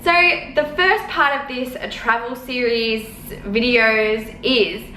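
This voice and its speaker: A woman's voice: on the high side, expressive, takes it slowly, bright, forceful tone. A young woman in her twenties rambling chattily with lots of fillers while telling a story from her lounge room. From Australia. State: sore eyes from smoke. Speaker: vlogger. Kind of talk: casual storytelling to camera. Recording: echoey room, faint background noise.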